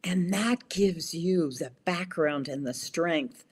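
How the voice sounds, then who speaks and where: A woman speaking as a spiritual guide in conversation, with a deliberate, affirming manner and measured phrasing. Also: lowish voice, breathy edge. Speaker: spiritual healing guide, podcast guest.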